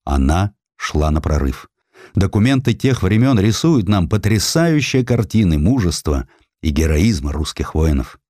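Deep male narrator reading history, measured n dramatic, deliberate pauses, very dry recording. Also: very animated, dark tone, no room sound. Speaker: audiobook narrator.

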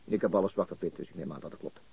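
An actor playing a calm, shrewd police detective, measured and understated, in a radio crime drama with muffled sound. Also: male voice, deep voice, creaky, a little hiss or hum. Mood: probing, measured.

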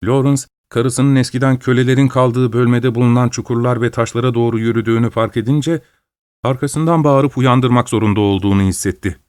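A man reads a dark tale aloud with measured, even delivery in a mid-pitched voice. The sound is close and dry, with no room behind it. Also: clean tone, dry recording. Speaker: storyteller. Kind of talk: read-aloud story narration.

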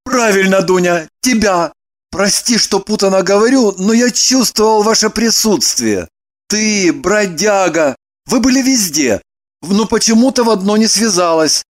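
A flustered young man, as a woman reader puts him on, earnest and insistent, blurting things out in halting bursts. The voice has an odd, altered timbre and swings widely in tone for an audiobook figure. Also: medium pitch, lively intonation.

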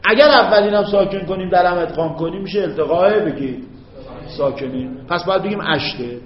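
A man teaching an Arabic grammar lesson to a class. He stretches out the example phrases slowly and keeps checking whether his students follow. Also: high-pitched. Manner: drawn-out recited Arabic examples, frequent check-ins with students. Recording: muffled, echoey classroom recording.

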